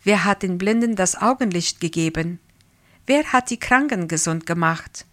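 A woman reading the words of a soft, gentle divine male voice that speaks quietly and calmly. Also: lowish voice, moderate pace, no echo, lightly acted. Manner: quiet, calm.

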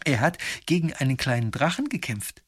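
A man's voice: mid-range voice, big pitch swings, brisk, husky. A man voicing a simple, eager palace guard in a storybook. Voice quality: naive, eager.

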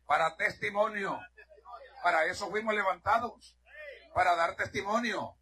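A middle-aged man from Honduras preaching a sermon in a church. He is fervent, shouts at his peaks and drops to hushed asides. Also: high-pitched, moderate pace. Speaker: pastor.

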